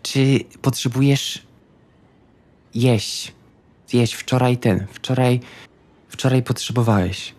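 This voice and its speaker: A man's voice: mid-range voice, slow pace, long pauses, a little mellow. A man playing a subdued, troubled, apologetic male vampire in an improvised tabletop roleplay. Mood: hesitant.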